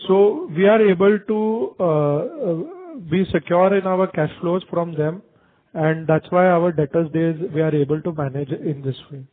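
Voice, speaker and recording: Indian executive, slightly high male phone voice. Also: measured pace. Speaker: company executive answering investor questions. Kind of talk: earnings call answers. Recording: narrow tinny conference phone line.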